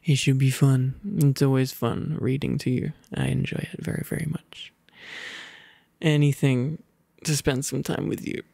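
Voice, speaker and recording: Sleepy gravelly British RP man. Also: mid-range voice, flat delivery, normal speed, dry recording. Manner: drowsy, soft and playful, with gentle whispers. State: sleepy and overfull. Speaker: ASMR roleplay boyfriend. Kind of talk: soft ASMR storybook reading and pillow talk.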